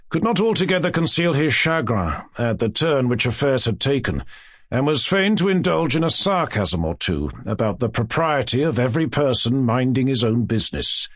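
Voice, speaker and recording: A man narrating classic literary fiction as a scripted audiobook, with a formal, measured delivery. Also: mid-range voice, no echo, clean studio sound.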